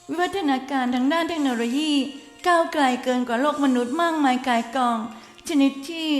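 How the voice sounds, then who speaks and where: A woman with an Isan accent giving earnest, cautionary commentary as a news commentator. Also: high-pitched. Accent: Isan Thai. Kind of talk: moralizing commentary. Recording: echoey room with long reverb and faint music.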